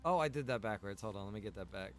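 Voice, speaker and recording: A man's voice: fairly low pitch, expressive, quick pace. A man giving casual gameplay commentary, often muttering to himself as he plays. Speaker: streamer playing a survival roleplay game.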